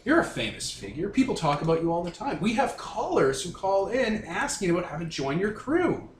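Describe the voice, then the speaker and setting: A man playing a breezy, flattering radio talk-show host who chats indulgently with his guests in a showman's patter. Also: high voice, a little fast, echoey room, a little hiss or hum, voice pushed up. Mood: chatty, flattering. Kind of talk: radio interview role-play.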